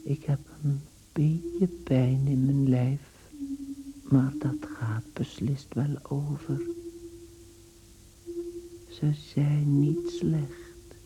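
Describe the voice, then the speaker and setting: An actor playing a gentle, resigned, dying man-turned-beetle in a radio play, with a weak, breathy, husky voice. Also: medium pitch, fairly even intonation, extremely slow, long pauses. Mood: weary, tender. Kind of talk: intimate radio play monologue. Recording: muffled, band-limited radio recording.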